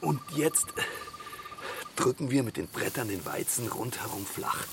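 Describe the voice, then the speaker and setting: Calm activist amid loud crickets. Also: male voice, mid-range voice, unhurried, gravelly. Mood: calm, instructing. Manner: calm, encouraging. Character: easygoing, assured male environmental activist instructing in crop circles. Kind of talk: naturalistic radio drama dialogue. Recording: loud outdoor noise with crickets.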